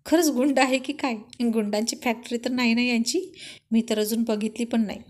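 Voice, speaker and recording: A woman voicing a shy but quick-witted young wife who banters playfully with her husband. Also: on the high side, steady tone, a little mellow, close to an everyday voice. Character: shy, witty young wife, easily flustered.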